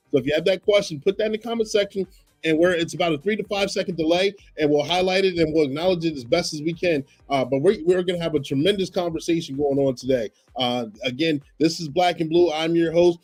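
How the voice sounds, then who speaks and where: A man hosting a live-streamed podcast, hoarse from a cold, talking in a chatty way that repeats itself, with coughs and apologies. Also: on the high side, a little mellow. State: hoarse, getting over a cold. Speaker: podcast host.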